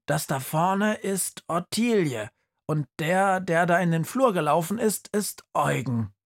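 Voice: medium pitch, animated, a little slow, pitched above the performer's own voice. A narrator voicing an invisible, headless professor creature in a trench coat, lecturing a class a bit hesitantly in an audiobook. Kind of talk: audiobook character voice.

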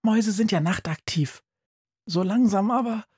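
Storybook mouse: small, plucky, high and squeaky, played by a man, husky, unhurried. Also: darkish tone. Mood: calm. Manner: high squeaky urgent calls. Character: plucky female mouse sidekick, tiny and quick.

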